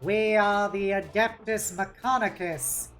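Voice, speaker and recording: An unctuous cyborg tech-priest, played by a woman reading a novel aloud, speaks very slowly and with false courtesy. He sounds smooth and patronizing, over music. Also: mid-range voice, fairly bright tone. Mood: smooth, formal. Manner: unctuous, slow, politely condescending. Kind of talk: dramatic novel read-aloud.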